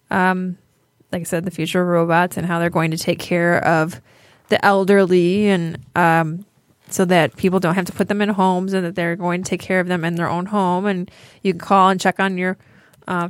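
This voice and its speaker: A woman's voice: mid-range voice, fairly bright tone, no room sound. Rambling, giggly woman podcast co-host. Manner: giggly, rambling, full of ums and laughter. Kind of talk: casual banter.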